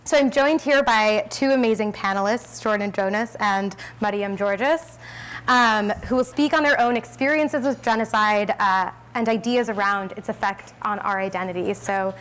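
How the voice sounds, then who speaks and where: A woman's voice: mid-range voice, normal speed, fairly bright tone, smooth. A young woman moderating a panel, giving opening remarks in an informal, friendly and slightly hesitant way. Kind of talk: semi-prepared opening remarks. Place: on stage in a conference room with an audience.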